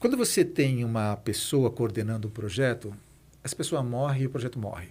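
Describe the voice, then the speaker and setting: Somewhat breathy, this voice keeps a fairly quick pace. Its pitch varies in an ordinary way. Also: man, medium pitch for a man. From São Paulo, Brazil. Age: 50s. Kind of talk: podcast interview.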